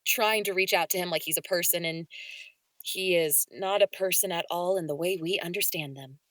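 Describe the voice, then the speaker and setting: A woman's voice: lowish voice, normal speed, a bit bright, dry recording. Woman chatting in a dry, close recording. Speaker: voice actress being interviewed. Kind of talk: casual cast discussion.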